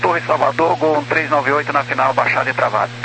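A man's voice: on the high side, steady tone, quick pace, gravelly. A male airline pilot calling the tower in clipped radio phraseology over a two-way aircraft radio. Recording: noisy, distant radio transmission.

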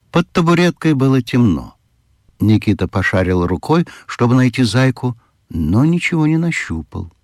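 A man narrating a children's fairy-tale audiobook in an expressive storytelling manner. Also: mid-range voice.

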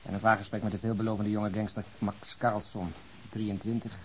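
Wry policeman played by a male actor, low register, mock-formal irony, radio drama, clear background noise. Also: flat delivery, a little fast, lightly acted. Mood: dryly ironic. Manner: ironic, mock-official. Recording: noisy old radio recording.

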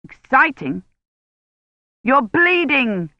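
Anxious protective older man read by a woman, reproachful, sharp, dry close recording, dull lo-fi sound. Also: high voice, very animated, very slow, no echo, pitched above the performer's own voice, exaggerated voice. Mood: worried. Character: protective older male Oxford don, anxious.

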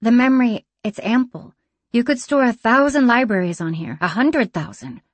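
A careful, deadpan tinkerer who weighs every word, voiced by a woman narrator. Her speech is measured and slightly formal. It is recorded close and dry. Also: a little high, dry recording, voice pushed up.

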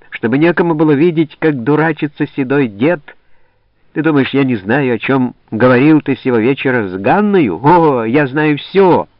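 A man reading an audiobook voices a furious, jealous older village woman scolding in a shrill tirade. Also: dry recording, highs cut off, natural voice.

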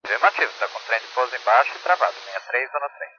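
Brazilian male pilot, quick short radio callouts, mid-pitched, clear static noise. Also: expressive. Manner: brief, clipped phrases. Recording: muffled, noisy aviation radio.

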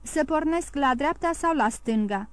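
A woman voicing a shrewd male jeweller in an audiobook, brisk and polite. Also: very high voice, animated, fairly bright tone, no room sound, pitched above the performer's own voice. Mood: wary.

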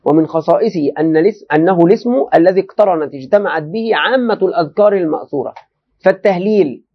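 In a classroom lecture on a religious text, a high-voiced man repeats and restates phrases and talks straight to his students, often checking they understand. The recording sounds muffled.

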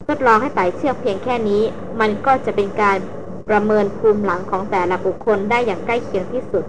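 A woman reading an adventure novel aloud in a steady, measured storytelling manner. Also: mid-range voice. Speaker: audiobook narrator. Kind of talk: scripted narration of an adventure novel. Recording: noisy recording with vehicle hum.

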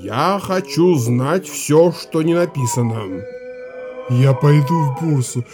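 An actor playing a drunk, curious young Cossack who insists on learning, in a radio play. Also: male voice, on the high side, slow pace, music in the background. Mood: tipsy insistent. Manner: insistent, tipsy pleading.

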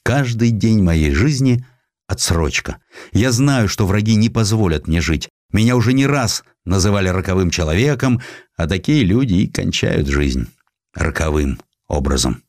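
A man's voice: low-pitched, lively intonation, normal speed, darkish tone, no room sound, clean studio sound. A man reading an audiobook voices a weary, fatalistic Russian general who broods dramatically on his death. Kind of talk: audiobook character acting.

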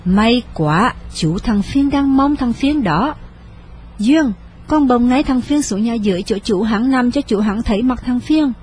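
A woman's voice: on the high side, expressive, a little slow, darkish tone, slightly rough. A woman voicing a grieving elderly noble mother in an audio story, speaking in a sighing, lamenting way. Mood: urgent, sorrowful. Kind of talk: audio drama reading.

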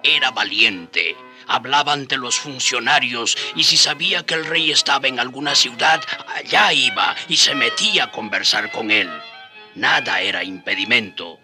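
An indigenous man tells his memories in a radio drama. His mid-pitched voice is very bright and clear-cut in its projection, fond in manner. A faint violin plays beneath. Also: normal speed, soft background music. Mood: admiring. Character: indigenous man, former slave, fondly recalling his travels. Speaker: narrator. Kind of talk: storytelling radio drama narration.

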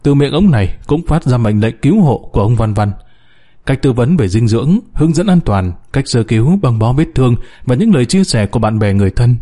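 Expressive male audiobook narrator. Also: medium pitch, a little fast. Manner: dramatic, expressive.

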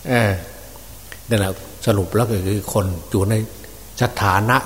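A man preaching as a monk, folksy and unhurried, with many fillers. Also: lowish voice, fairly even intonation. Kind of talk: Dhamma sermon. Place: open temple hall. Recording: distant reverberant hall with faint noise.

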